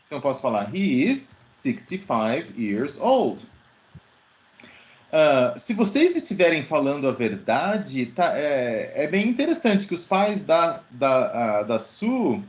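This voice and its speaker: A man teaching an online English class, explaining grammar and quizzing students by name. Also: a little high. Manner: lively, questioning, addresses students by name. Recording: dull lo-fi audio.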